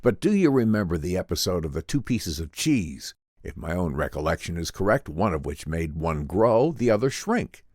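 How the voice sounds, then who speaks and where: Man playing male visionary professor, grandly serious, portentous, formal, deliberate, highly expressive pitch, sci-fi audiobook drama. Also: no room sound, clean studio sound. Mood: serious, coaxing.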